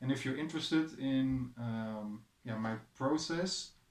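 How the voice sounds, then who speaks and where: A man with a non-native accent at a very slow pace, with ordinary pitch variation. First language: not English. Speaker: guitar student, music video maker. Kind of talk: tutorial. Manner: halting, many fillers.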